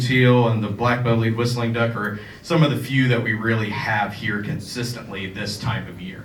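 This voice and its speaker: A man speaks at a moderate pace over noticeable background noise, with audible room echo. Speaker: wildlife biologist giving a public talk. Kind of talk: educational presentation. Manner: loud; hesitant, many fillers.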